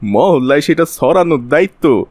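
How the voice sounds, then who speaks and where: Cartoon scheming conman, male actor: Bangladeshi accent, slightly high pitch, wheedling colloquial delivery, dry close sound. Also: animated, normal speed, darkish tone, no echo, close to an everyday voice. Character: scheming city man, sly profiteer spreading virus panic. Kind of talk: Bengali cartoon voice acting.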